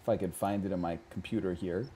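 A man in his thirties riffing casually while streaming games, animated and swinging between loud and quiet for comic bits, on a headset mic at home. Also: low voice, fast, a little hiss or hum. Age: 30s. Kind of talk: casual gaming stream chat. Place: small room at home.

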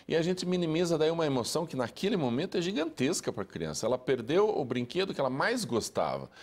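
Measured man explaining steps. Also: a little high, very animated. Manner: measured, lecturing, lists steps. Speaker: educator interviewed on TV. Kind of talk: explanatory interview answers.

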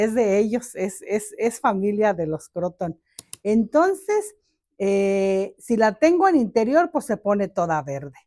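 A woman's voice: mid-range voice, a little mellow, no room sound. Chatty older woman in a dry garden. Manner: chatty, joking, fond of her plants, many fillers. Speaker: gardening channel host. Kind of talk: casual gardening vlog talk. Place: home garden outdoors.

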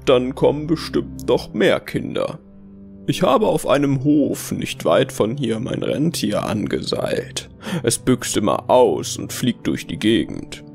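A man's voice: medium pitch, very animated, slow pace, vocal fry, darkish tone, heavily acted. A man playing a proud, delusional Santa in an audio horror drama, theatrically friendly and insistent. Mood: falsely friendly. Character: delusional, affable, proud self-believed real Santa man. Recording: music behind the voice.

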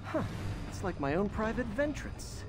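A man's voice: sits high, very animated, normal speed, noisy background. A man voicing a cocky, playful young superhero with an American accent in a video game. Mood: focused, wry. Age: young adult. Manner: playful, sarcastic. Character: wisecracking young male superhero, cocky and nimble. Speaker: superhero player character. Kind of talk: video game voice acting, quips. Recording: loud game music over the voice.

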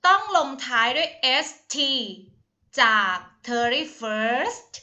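A Thai woman teaching a primary English class on a video call, explaining in Thai and slowly modelling English words for the children. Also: high-pitched, animated, bright, forceful tone, dull audio. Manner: slow, patient, drawn-out model pronunciation of English words.

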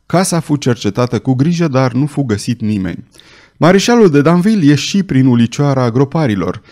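A male narrator reading an adventure audiobook with dramatic expression. His pitch sits at a middle level but moves through a wide, animated range.

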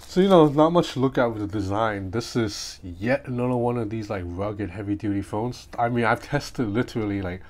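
A man's voice: fairly low pitch, moderate pace, hardly any pauses, darkish tone. A man giving an informal, off-the-cuff unboxing commentary, thinking aloud as he goes. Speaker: gadget reviewer. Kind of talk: casual unboxing vlog, hands-on commentary. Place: small room at home. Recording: clearly noisy small room with outside noise. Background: ambient street noise from outside.

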